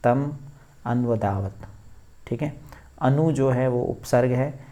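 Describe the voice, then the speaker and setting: Slow, deliberate male teacher. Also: medium pitch, warm tone. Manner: slow, deliberate reading with word-by-word explanations. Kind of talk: textbook lesson, reading and explaining line by line.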